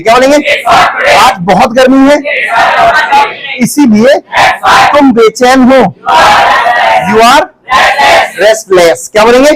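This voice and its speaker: Indian-accented male teacher, high loud commanding voice, leads a classroom drill over students chanting back. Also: heavy background noise. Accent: Indian English. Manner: loud, commanding, repeats prompts. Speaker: English teacher. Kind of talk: classroom drill, call and response.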